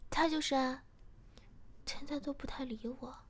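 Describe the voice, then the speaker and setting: A woman voicing a shy, curious young woman who speaks softly and hesitantly. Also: sits high, steady tone, normal speed, voice pushed up, close to an everyday voice.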